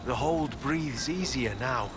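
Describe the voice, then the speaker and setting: A man's voice: mid-range voice, slow, noisy background, close to an everyday voice. A man voicing a hearty tribal villager in video game dialogue.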